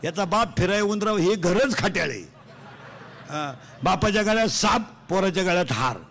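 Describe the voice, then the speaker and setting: A man preaching a comic devotional sermon to a live audience. He quizzes the crowd in quick call-and-response and tells rustic, teasing jokes. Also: sits high, vocal fry, fairly bright tone. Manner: joking, teasing, rustic storytelling. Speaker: kirtan preacher. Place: live religious gathering before an audience.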